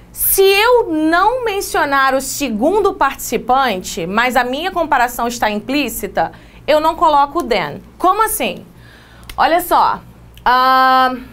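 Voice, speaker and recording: A woman's voice: high voice, fairly bright tone. A woman with a Brazilian Portuguese accent giving an exam-prep English lesson, explaining step by step and checking in often with her students. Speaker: English teacher.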